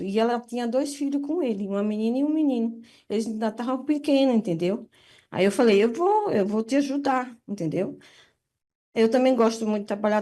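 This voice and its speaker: A woman telling a painful personal story in plain everyday speech, often checking in with short tag questions and her voice lifting when she quotes herself. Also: dark tone. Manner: emotional retelling, pitch rising in quoted speech. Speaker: woman giving a testimony.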